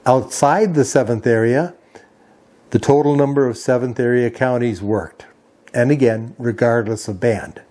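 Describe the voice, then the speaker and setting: A man's voice: mid-range voice, a little slow, warm tone. A man hosting a hobby radio video, giving an informational briefing in a methodical, itemizing way. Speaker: host of a ham radio video channel.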